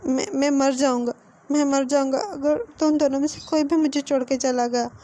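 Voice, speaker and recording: A woman's voice: sits high, fairly even intonation, moderate pace, mellow, slight background noise, lightly acted. A woman voicing a timid young man who stammers and pleads through tears, in a fan-fiction retelling. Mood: tearful.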